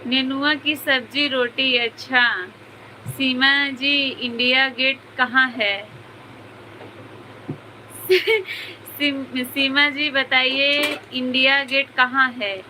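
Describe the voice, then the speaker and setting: A woman's voice: high voice, fairly even intonation, takes it slowly, bright, forceful tone. A woman hosting a casual live stream from home, chatting with viewers and greeting them by name. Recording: noisy home ambience behind the voice.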